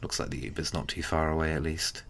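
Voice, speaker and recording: A man playing an easygoing, gently teasing giant friend in a casual, hesitant, intimate ASMR roleplay. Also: very deep voice, little pitch movement, creaky, exaggerated voice. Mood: cheerful, chatty. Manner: hesitant, chuckling, unhurried casual talk.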